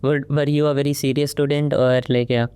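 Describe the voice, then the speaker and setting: A man's voice: mid-range voice, level tone, brisk, darkish tone, clear, resonant tone, no echo. A man hosting a podcast, asking his guest short prompting questions. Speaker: podcast host. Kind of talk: interview questions.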